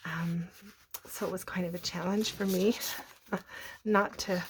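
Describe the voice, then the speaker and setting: A middle-aged woman with a hoarse, croaky voice, casually showing handmade journals. She talks softly and often slips into a whisper. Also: lowish voice, steady tone, slow pace, noisy background. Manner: soft-spoken, often drops to a whisper. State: hoarse, recovering from a cough. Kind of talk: casual show-and-tell narration.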